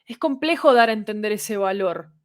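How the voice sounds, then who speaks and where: A woman's voice: mid-range voice, animated, normal speed. A woman with a Latin American Spanish accent talks casually on a podcast, explaining things and checking in with little tag questions. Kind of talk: casual conversational podcast talk.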